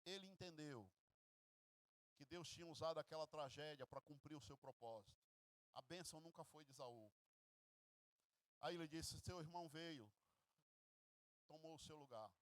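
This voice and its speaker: A Brazilian pastor preaching, his voice pitched high for a man. He acts out the stories, swinging from near-whispers to loud cries. The sound is dry and close, with no room echo. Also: moderate pace, long pauses. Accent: Brazilian Portuguese. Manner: dramatic storytelling, acting out scenes with sudden loud bursts and hushed passages. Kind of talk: sermon.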